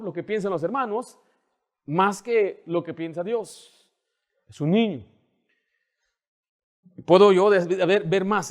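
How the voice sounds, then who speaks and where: A male pastor preaching a sermon in a church, animated and questioning his listeners, who often mimics children's voices. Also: high voice. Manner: animated, asks the congregation questions.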